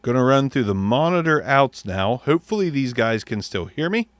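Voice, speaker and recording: A man reviewing gear in a relaxed, off-the-cuff way, blunt and sometimes swearing. His voice sits at a middle pitch and the sound is dry and close to the mic. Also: moderate pace, no room sound. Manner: blunt, profane, thinking aloud.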